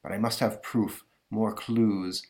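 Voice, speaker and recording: A man's voice: lowish voice, steady tone, slow, a little mellow. Man as comic-book superhero, confident, resolute, earnest, declamatory.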